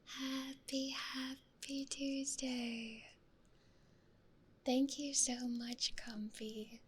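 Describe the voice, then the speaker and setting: A woman streaming ASMR in a hushed, breathy whisper, speaking gently and intimately close into a stereo microphone. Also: high-pitched, level tone, drawn-out words, a little hiss or hum.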